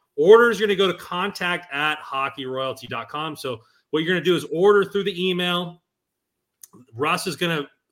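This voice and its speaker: A plain, everyday voice from a man, moderate pace and ordinary pitch variation. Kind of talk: casual podcast chat. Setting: live stream with chat.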